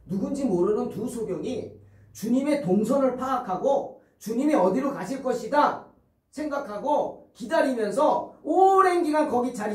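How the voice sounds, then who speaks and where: A male pastor delivers a sermon in a church sanctuary, telling the story dramatically and firing rhetorical questions at his listeners. His voice swings widely up and down. He is picked up from some distance in an echoey room. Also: very high-pitched. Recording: roomy, distant church recording.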